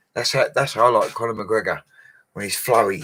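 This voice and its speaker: A man with an Essex accent. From Essex, England (Colchester, Mersea Island). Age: 40s. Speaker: bricklayer and YouTuber. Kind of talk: live stream chat. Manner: animated.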